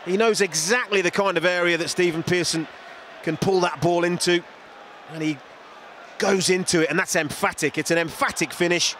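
Male co-commentator, fairly high voice, emphatic and measured, faint crowd behind. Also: fairly even intonation, a bit bright, slight background noise. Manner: measured, emphatic, repeats words for stress. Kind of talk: football match analysis.

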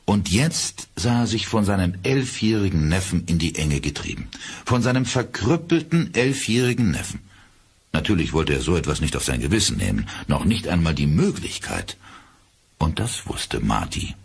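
A man narrates a horror audiobook in a very low, deeply husky voice. His delivery is dramatic, with lively swings in pitch. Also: normal speed.

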